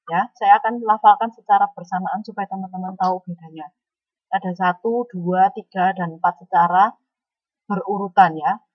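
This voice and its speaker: A woman's voice: medium pitch, moderate pace, no echo, lo-fi sound. A woman teaching a Mandarin lesson online, speaking patiently and often adding a questioning "ya".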